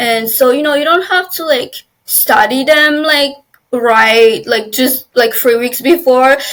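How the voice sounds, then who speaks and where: With high pitch and ordinary pitch variation, a woman speaks at a fairly slow pace. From Madagascar. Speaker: student and nonprofit founder. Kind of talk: interview. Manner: hesitant, many fillers.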